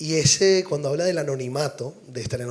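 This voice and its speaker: This man has a Venezuelan accent. His voice is somewhat breathy. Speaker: audience member, student. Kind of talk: audience question. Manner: halting.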